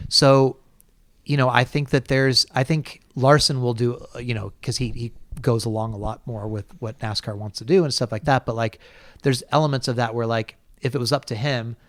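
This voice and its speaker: A man's voice: medium pitch, steady tone, moderate pace, fairly bright tone, no room sound. Man thinking aloud in a dry room. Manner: rambling, thinks aloud with many restarts. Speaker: podcast host. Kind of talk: casual conversation.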